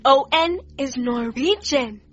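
A high-voiced, sarcastic teenage girl. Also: lively intonation, fairly bright tone, heavily acted. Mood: flippant. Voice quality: slangy, sarcastic, quick. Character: cheeky underage girl with a fake ID, flippant. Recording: dull lo-fi audio drama.

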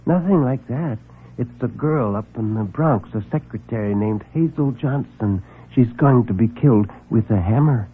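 A man's voice: medium pitch, lively intonation, moderate pace, slight background noise, close to an everyday voice. A man putting on a timid stammering little man. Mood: nervous. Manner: hesitant, apologetic, stammering. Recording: lo-fi 1940s radio broadcast.

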